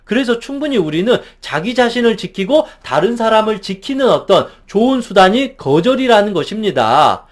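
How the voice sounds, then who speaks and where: A man with a high voice delivers a motivational psychology lecture as a counselor. He speaks emphatically and keeps putting rhetorical questions to his listeners. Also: very animated, normal speed, hardly any pauses.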